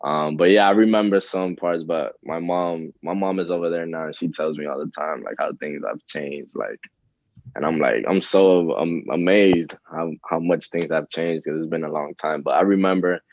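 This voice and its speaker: A man in his twenties from the Dominican Republic, a rapper answering interview questions in a relaxed, hesitant way with many fillers. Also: extremely low pitch, normal speed, dry recording. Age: 20s. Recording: dull, lo-fi, dry sound.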